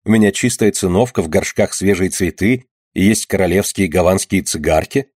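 A man voicing a sharp-tongued, pious young townswoman who scolds and accuses in a shrill way. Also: moderate pace, husky, dry recording, clean studio sound. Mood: coaxing.

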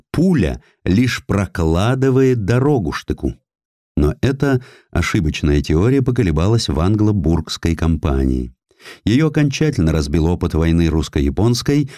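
A man reading a historical essay as an audiobook narrator, measured and declamatory, with deliberate pauses. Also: low voice, dark tone, no room sound, studio quality.

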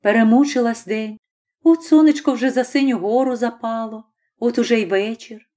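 A woman reading a classic short story aloud in an unhurried, mournful storytelling manner. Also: a little high, warm tone. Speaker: audiobook reader. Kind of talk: scripted narration of a classic story.

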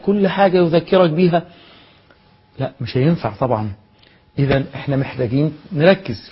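A man with an Egyptian Arabic accent giving a spoken lesson as a Quran memorization teacher, lecturing in a lively way with rhetorical questions. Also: fairly high pitch, slightly rough. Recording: dull lo-fi recording.

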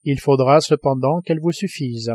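Brief: male reader as cold, grave submarine commander, dark tone, audiobook. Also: medium pitch, husky, no echo, clean studio sound, natural voice. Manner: grave, measured. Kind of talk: audiobook reading.

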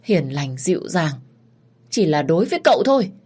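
A woman's voice: sits low, very animated, normal speed, darkish tone, husky, heavily acted. A woman voicing a bitter, grieving old servant woman who accuses her mistress's son. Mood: accusing. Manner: accusing, resentful.

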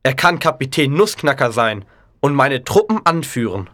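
A man's voice: mid-range voice, sing-song, normal speed, fairly bright tone, dry recording, clean studio sound. A man voicing a cheeky young boy who boasts and teases in a bossy way. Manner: bossy, mocking.

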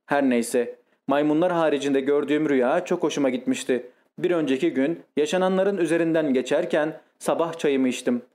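A man narrating a novel in the first person, in a steady, measured storytelling manner. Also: fairly high pitch. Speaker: audiobook narrator.

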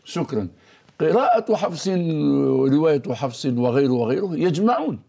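A male scholar gives a lesson in dialogue, quizzing his partner and reciting verses. His voice swings widely in pitch and has a dark, husky tone. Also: big pitch swings, fairly quick. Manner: teacherly, quizzes his co-host and quotes verses. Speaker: scholar of Quranic language. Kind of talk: explanatory religious lesson in dialogue.

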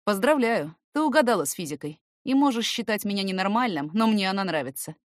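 A woman's voice: mid-range voice, lively intonation, fast talker, lightly acted. An irritable young male student in an audiobook, acted by a woman. He is cool and guarded, answering curtly, with a dry, echo-free sound. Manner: curt, cool. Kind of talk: scripted audiobook character voice.

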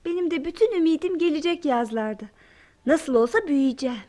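A woman's voice: high-pitched, animated, quick pace, warm tone. A woman acting an eager, wistful young girl in an old-style radio theatre play. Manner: wistful, childlike.

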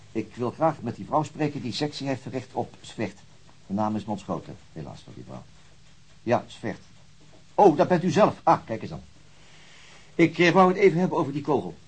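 An actor playing a methodical, weary police detective in a radio drama, speaking in a dry, deliberate, sometimes hesitant way. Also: male voice, medium pitch, breathy edge, rough recording. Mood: polite, probing. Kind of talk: naturalistic radio drama dialogue.

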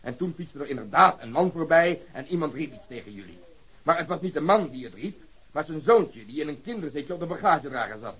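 A man's voice: a little high, lively intonation, fairly quick, a bit bright, low-quality recording. An actor playing a sarcastic, hot-tempered male police superior in a radio drama, questioning people with biting, coarse language. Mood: furious. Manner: sardonic interrogation, swearing. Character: sarcastic, irate male police detective, middle-aged superior.

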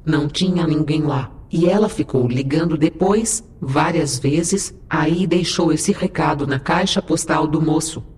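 A man voicing a calm, teasing female ship computer with a dry, composed manner. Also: fairly high pitch, measured pace, reverberant, lightly acted.

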